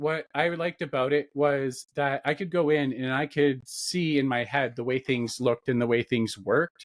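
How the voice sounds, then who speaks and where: The man's pitch is fairly high, with ordinary variation. His sound is dry and close, with no echo. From Canada, southern Ontario (Waterloo region). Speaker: manufacturing industry director. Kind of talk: podcast interview. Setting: remote call.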